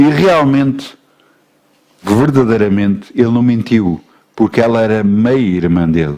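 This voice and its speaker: Lively intonation marks this man's medium-pitched voice, which has a dark, mellow tone and very even loudness. He speaks at a fairly slow pace with long, frequent pauses. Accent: European Portuguese. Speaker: pastor. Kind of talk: sermon.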